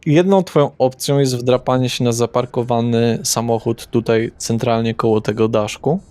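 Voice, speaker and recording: A man's voice: mid-range voice, steady tone, normal speed, darkish tone, clean tone. A man as game master, describing scenes loosely with fillers and self-corrections, on a home mic. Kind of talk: narrating a tabletop game.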